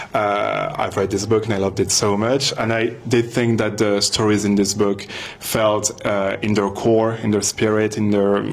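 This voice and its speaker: A man with a French accent speaks at a fairly low pitch and a moderate pace, with hardly any pauses. His intonation is monotone and flat, his loudness very even, and noticeable background noise is present. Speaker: book reviewer and interviewer. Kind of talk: interview. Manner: halting.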